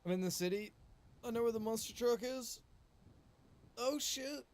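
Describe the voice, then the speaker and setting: A man's voice: extremely high pitch, normal speed, darkish tone. A man casually chatting through a gameplay livestream, musing aloud and swearing easily. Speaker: game streamer.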